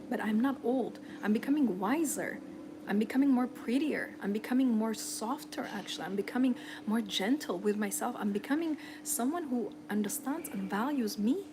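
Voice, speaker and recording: Over a noisy background, a woman with a fairly high voice hosts a live stream as a femininity coach. She answers viewers' comments, chatting and encouraging them with frequent fillers and restarts.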